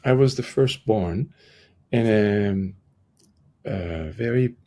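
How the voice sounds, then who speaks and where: A middle-aged man with an Iranian accent and a husky, gravelly voice, telling personal stories reflectively as an interview guest. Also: fairly low pitch, slow, warm tone. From Iran. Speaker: podcast guest, transformational coach.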